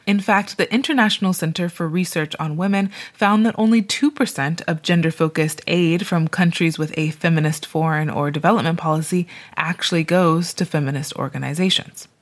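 A woman hosting a podcast, reading scripted narration in a measured, informative way. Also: lowish voice. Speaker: podcast host.

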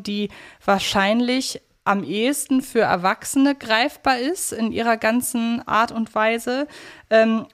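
Woman chatting as a podcast co-host. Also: a little high. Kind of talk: casual podcast discussion.

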